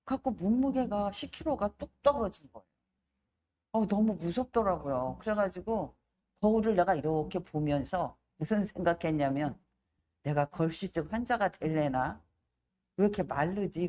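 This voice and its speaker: A middle-aged woman evangelist giving a spoken testimony, telling her story in a lively, animated way and acting out the voices of people in it. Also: fairly low pitch, normal speed. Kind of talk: testimony sermon.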